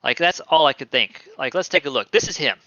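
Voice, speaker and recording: A man hosting a casual crypto streaming show, chatty and animated, often laughing. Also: a little high, fairly quick, dry recording, highs cut off. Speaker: podcast host.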